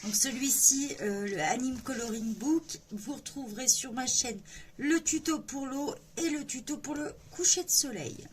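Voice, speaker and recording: A woman's voice: sits high, unhurried, slight background noise. Chatty woman flipping through a coloring book. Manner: chatty, hesitant with many fillers. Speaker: coloring channel host. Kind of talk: casual book flip-through.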